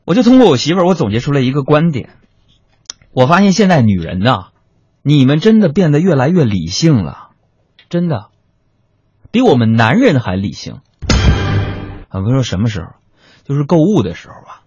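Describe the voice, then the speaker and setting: A man telling a comic story, chatty and animated, talking to his listeners as friends. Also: medium pitch, a little fast, long pauses, breathy edge, dry recording. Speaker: comedian. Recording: dry lo-fi recording.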